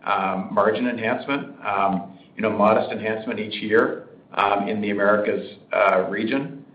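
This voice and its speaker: Male executive, stiff and hesitant, lower-pitched, on a roomy speakerphone conference call. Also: lo-fi sound. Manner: stiff, halting, careful corporate delivery. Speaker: company executive on an earnings call. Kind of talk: answering analyst questions on a conference call.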